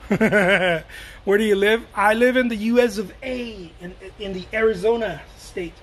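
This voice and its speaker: Chatty high-voiced man from Mexico. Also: measured pace, slight background noise. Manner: rambling, jokey, reads out and answers viewer questions. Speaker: painter streaming to viewers. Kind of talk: casual live painting chat.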